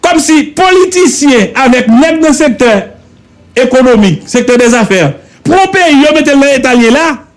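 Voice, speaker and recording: In a radio studio, an animated Haitian-accented man speaks at a moderate pace on a talk show, his voice pitched very high. His commentary on politics is fervent, built on repetition and a steady stream of rhetorical questions.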